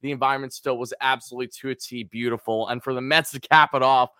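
A man with a raspy, hoarse voice co-hosting a sports podcast, chatting casually in an excitable, hyperbolic way. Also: mid-range voice, quick pace, dry recording, studio quality. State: hoarse from screaming.

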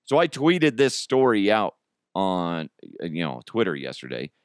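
A man's voice: low-pitched, huge pitch swings, measured pace, smooth, dry recording, studio quality. A middle-aged man hosting a podcast as a casual, jokey solo monologue with crude humor. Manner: jokey, crude, acts out imagined exchanges. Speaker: podcast host.

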